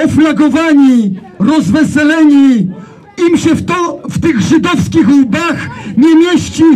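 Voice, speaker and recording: High-pitched shouting Polish orator. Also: male voice, poor audio. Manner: shouting, slow, emphatic declamation. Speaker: rally speaker. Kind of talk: fiery outdoor rally speech. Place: outdoor meadow gathering.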